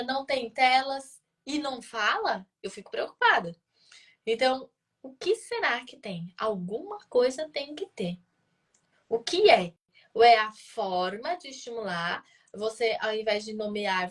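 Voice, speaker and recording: A woman answers parents' questions in a live session, explaining patiently and posing rhetorical questions she then answers. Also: a little high. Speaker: child speech-development educator answering parents' questions.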